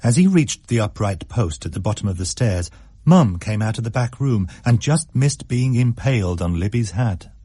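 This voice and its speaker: A man reading a story aloud in a measured, wry narration. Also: fairly low pitch, animated, warm tone, slightly rough, dry recording, studio quality. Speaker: story reader.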